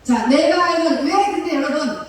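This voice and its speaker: A woman pastor giving a chatty sermon, with laughing asides and slow scripture reading. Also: high-pitched. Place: church sanctuary. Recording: echoey hall from far off.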